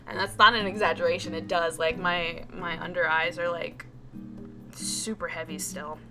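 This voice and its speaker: An artist vlogger with a fairly low-pitched voice tells a storytime about her day at a moderate pace, over background music. The retelling is animated, packed with "like" and little restarts. She acts out what other people said, mimicking them.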